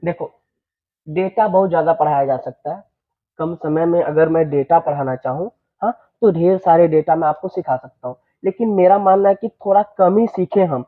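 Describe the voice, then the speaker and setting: A male English teacher from eastern Uttar Pradesh, India, gives a classroom lesson in Bhojpuri-influenced Hindi. His voice is high and sounds tinny, like it's coming through a phone. He repeats phrases, checks that students understand, and slows down for English sentences.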